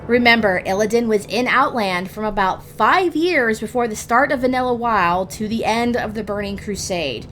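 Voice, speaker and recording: A woman hosting an instructional guide, reading scripted narration in a measured, deliberate way with emphatic pauses. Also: on the high side, fairly bright tone, slight background noise. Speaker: host of a roleplay guide series.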